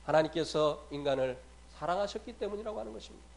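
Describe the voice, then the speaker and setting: Guest preacher, male, higher-pitched voice, earnest sermon delivery with "uh" fillers, church setting. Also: expressive, fast talker, creaky, a little hiss or hum. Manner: frequent filler sounds between phrases. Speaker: guest preacher, former missionary. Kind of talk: evangelistic sermon with personal story. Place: church sanctuary.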